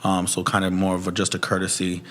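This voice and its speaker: A man from Massachusetts with a hoarse, partly lost voice, politely presenting to a public meeting in a measured way. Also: low voice, monotone, a bit bright. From Mashpee, Massachusetts, United States. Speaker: petitioner addressing a commission. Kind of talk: semi-formal public presentation. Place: town hall meeting room.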